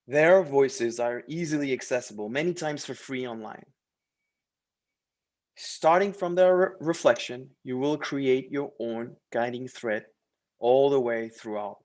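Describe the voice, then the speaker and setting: Male course presenter, mid-pitched and unhurried, measured promotional read in short emphatic phrases. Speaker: French language coach and course presenter.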